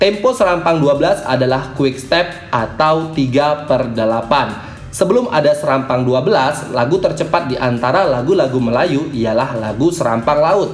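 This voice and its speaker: A man with a fairly high voice speaks at a fairly slow pace with lively intonation, hardly any pauses and very even loudness, over noticeable background noise and audible room echo. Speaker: podcast host. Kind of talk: reading from notes.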